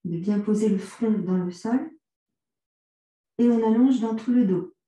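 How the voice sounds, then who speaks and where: A yoga instructor with a French accent guides a class slowly and soothingly, her medium-pitched voice mellow and her cues calm and gentle, mixing vous and tu. She sounds far from the mic in a very echoey room.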